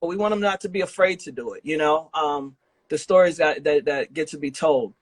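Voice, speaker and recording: A man's voice: a little high, fairly quick. A man hosting a podcast interview in a casual, slangy, affirming way with some swearing. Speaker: podcast host and festival organizer.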